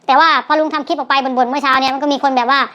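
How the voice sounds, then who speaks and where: Older woman, high voice, fast talker, rambling, sore throat. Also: fairly even intonation, pushed and bright, highs cut off. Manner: rambling, chatty, self-correcting. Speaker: vlogger. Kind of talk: recorded clip of casual storytelling.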